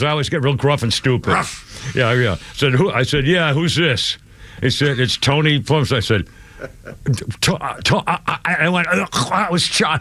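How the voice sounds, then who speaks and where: An older talk radio host in his seventies, a man from New England, spins a rambling story full of restarts and exclamations. His voice sits a little high for a man, and the studio microphone sounds close and dry. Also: bright, forceful tone, no room sound. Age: 70s. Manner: rambling, self-interrupting, exclamatory.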